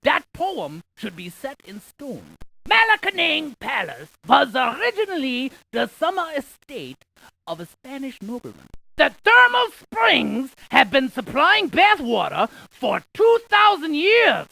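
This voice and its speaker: A man voicing an excitable, quirky scientist in a video game, with a creaky voice and a folksy, jokey, exaggerated delivery. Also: very high voice, unhurried, no echo, full character voice, poor audio. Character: excitable, quirky scientist tour guide, full of folksy quips. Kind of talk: cartoonish video game character lines.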